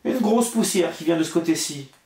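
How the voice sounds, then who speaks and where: Man reading a young sister on a tower, calm, reporting, roomy echo. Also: on the high side, a little fast, natural voice.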